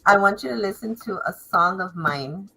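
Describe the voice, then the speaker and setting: A woman's voice: medium pitch, moderate pace, gravelly, pushed and bright, breathy edge, poor audio. A woman hosting an interview show, speaking in a frank, direct way. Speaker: host. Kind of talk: casual interview chat.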